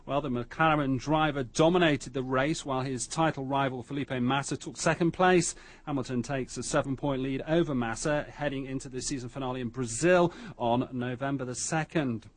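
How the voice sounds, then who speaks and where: A man's voice: medium pitch, moderate pace, dry recording. A man reading a scripted news and sports bulletin in a radio newsreader style.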